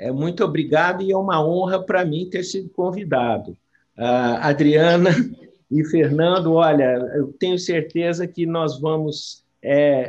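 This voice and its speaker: A man with a fairly high voice talks fairly slowly, his pitch varying in an ordinary way. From Brazil, Goiás. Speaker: neurosurgeon. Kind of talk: podcast interview. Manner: halting with fillers.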